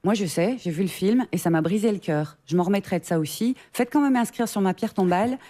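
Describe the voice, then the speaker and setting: A woman's voice: medium pitch, fast, mellow. A woman reading an ironic, scripted humorous column in a radio studio. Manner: ironic storytelling read from a script.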